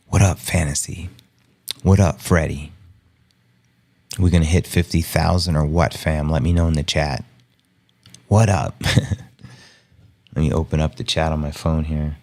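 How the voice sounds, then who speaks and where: A man hosting a live stream in an extremely deep, flat voice. He talks slowly, keeping it hushed and low-key, and chuckles often. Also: gravelly. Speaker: livestream host. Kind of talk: casual live market commentary.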